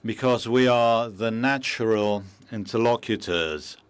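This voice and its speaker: Working from a booth mic, a man interprets a formal speech in real time, speaking with a clean tone on the lower side. He sounds measured yet halting, pausing often and using fillers.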